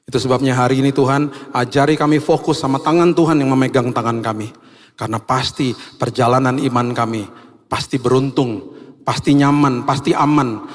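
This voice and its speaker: A male pastor telling a lively personal story in a sermon and closing in prayer, acting out the dialogue. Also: medium pitch, long reverb tail. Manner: animated, acts out dialogue.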